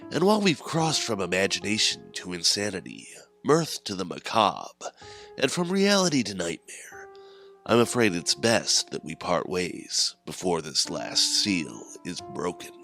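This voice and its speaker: A man playing an ominous, theatrically courteous horror host, speaking in a drawn-out, grandiose manner for an audio anthology. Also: sits low, big pitch swings, creaky, pushed and bright, soft background music, voice pushed down, heavily acted. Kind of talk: scripted horror anthology sign-off.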